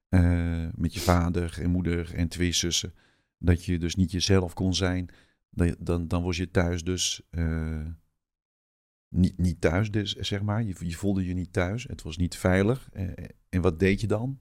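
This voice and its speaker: Male podcast interviewer, deep voice, probing and rambling questions. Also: fairly even intonation, measured pace, darkish tone, dry recording, clean studio sound. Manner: probing, rephrases and repeats himself. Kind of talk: conversational interview.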